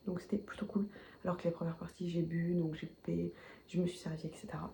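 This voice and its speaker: Whispering in a somewhat breathy way, a woman speaks at a fairly quick pace. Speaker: booktuber. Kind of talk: casual vlog chat. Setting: at home at night. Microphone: may be too quiet, volume boosted.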